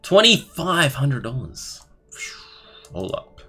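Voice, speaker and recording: A man's voice: mid-range voice, sing-song, takes it slowly, bright, forceful tone. A man livestreaming, reading aloud expressively with casual asides and commentary of his own. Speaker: streamer.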